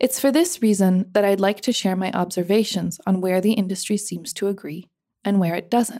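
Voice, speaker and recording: With an American accent, a woman talks at a moderate pace in a medium pitch with a dark, mellow tone and ordinary pitch variation, on a very clean recording with a silent background. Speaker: podcast host, former garment factory manager. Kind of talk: keynote speech. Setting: conference stage with audience.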